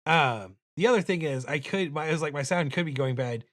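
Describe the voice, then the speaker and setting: A man's voice: fairly quick, fairly bright tone. A man livestreaming casually as he draws, thinking aloud in a mumbly, self-deprecating way. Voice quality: deep voice. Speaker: livestreaming illustrator and host. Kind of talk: casual livestream chat while drawing. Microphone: streaming microphone.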